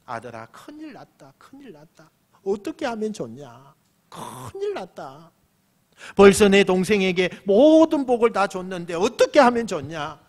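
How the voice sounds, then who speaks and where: A pastor voicing a frail old father who is trembling and despairing, speaking in a hushed, shaken way. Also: sits high, sing-song, unhurried, pauses often, husky, full character voice.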